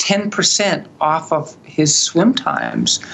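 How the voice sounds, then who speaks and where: With noticeable background noise behind her, a woman speaks in an American accent at a fairly low pitch with ordinary pitch variation. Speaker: scientist. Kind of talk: interview.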